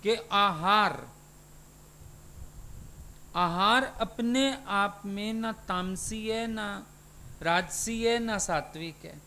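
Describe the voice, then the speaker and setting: A man's voice: sits high, very slow, pauses often, pushed and bright. A man, a spiritual teacher, giving a satsang sermon and putting questions to his listeners.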